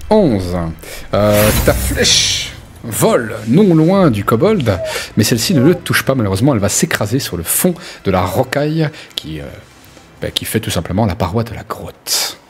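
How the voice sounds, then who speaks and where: A game master narrates a tabletop role-playing game informally, savoring the gory details while music plays beneath him. He speaks at medium pitch and a moderate pace, with big swings in pitch.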